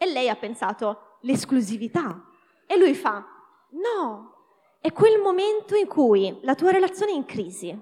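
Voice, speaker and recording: A woman speaks at a high pitch with very wide pitch swings and a dark, mellow tone. Her pauses are long and frequent. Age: 30s. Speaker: podcast host. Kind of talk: casual chat. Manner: halting.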